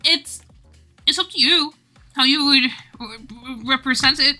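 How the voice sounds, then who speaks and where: A woman with a strikingly bright, forward voice that sits a little high. She rambles casually to a livestream chat, teasing and giggly as she goes. Soft music plays behind her. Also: a little slow. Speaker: streamer drawing game art live.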